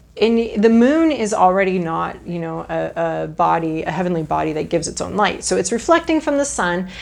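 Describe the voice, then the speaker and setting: The delivery moves at a moderate pace with hardly any pauses. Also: woman. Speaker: tarot reader. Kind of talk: tarot reading. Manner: hesitant, filler-heavy.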